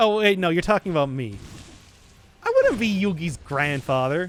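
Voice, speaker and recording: Speaking with a Chicago accent, a man has a high pitch, an animated tone and lively intonation at a moderate pace. Noticeable background noise is present. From US Midwest, Chicago. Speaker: video game streamer. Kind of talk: casual chat.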